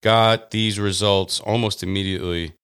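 A man co-hosting a podcast in casual banter, blunt, jokey and quick to swear. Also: lowish voice, fairly even intonation, a crowd in the background. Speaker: podcast co-host.

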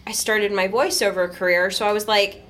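A woman's voice: medium pitch, fairly even intonation, fairly quick, fairly bright tone. A woman in her thirties, a voice actor guest, chatting casually in an interview, laughing often and joking at her own expense. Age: 30s. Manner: laughs often, self-mocking sarcasm.

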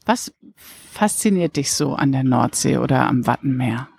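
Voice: medium pitch, expressive, normal speed, gravelly, a little mellow, breathy edge, dry recording. An interviewer asking friendly, enthusiastic questions at a beach bar. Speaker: interviewer, reporter.

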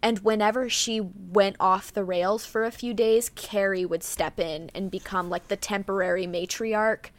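A woman's voice: mid-range voice, steady tone, normal speed, hardly any pauses. A young woman co-hosting a true-crime podcast, telling a case in casual chat full of "like" and "um". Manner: chatty, full of "like" and "um", reads notes aloud. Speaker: podcast co-host.

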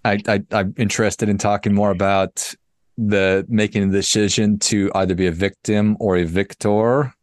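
A man's voice: fairly low pitch, flat delivery, moderate pace, dry recording, studio quality. A man hosting a podcast interview, asking thoughtful questions with stammered starts. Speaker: podcast host. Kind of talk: casual interview.

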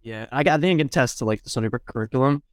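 A young man hosts a laid-back podcast interview, talking quickly and leaning on "like" and "I guess." His voice is smooth and clear, recorded close with no room sound. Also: mid-range voice, no room sound. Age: young adult. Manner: relaxed, lots of "like" and "I guess" fillers. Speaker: podcast host.

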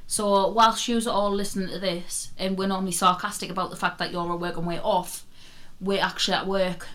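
A woman's voice: mid-range voice, flat delivery, brisk, fairly bright tone, a little hiss or hum. Teasing woman co-host. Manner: teasing, sweary storyteller. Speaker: podcast co-host. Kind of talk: casual chat.

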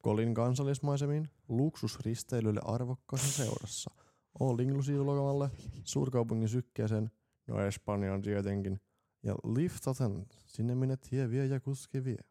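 Man, casual chat, gravelly, dark mellow timbre, mock-enthusiastic quiz reader. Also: medium pitch, hardly any pauses. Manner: reads quiz options with mock enthusiasm, crude jokes. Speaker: podcast co-host. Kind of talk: casual chat, reading quiz questions aloud.

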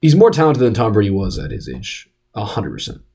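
A young man co-hosting a casual sports podcast, talking in an animated, rambling way full of restarts and fillers. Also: on the low side, a little fast, crowd noise. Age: young adult. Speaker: podcast co-host. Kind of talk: casual chat.

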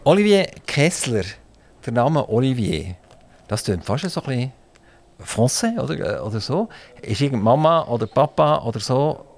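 A man with a Swiss German accent hosts a radio interview from the studio. He chats easily and jokes, keeping up a steady run of follow-up questions at a middle pitch. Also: normal speed. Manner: chatty, jokey, asks many follow-up questions.

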